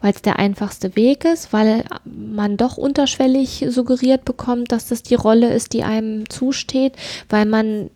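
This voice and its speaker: A woman's voice: fairly high pitch, fairly even intonation, a little slow, few pauses, warm tone, dry recording. A middle-aged woman in a casual discussion, speaking emphatically, repeating phrases and asking rhetorical questions. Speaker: podcast co-host.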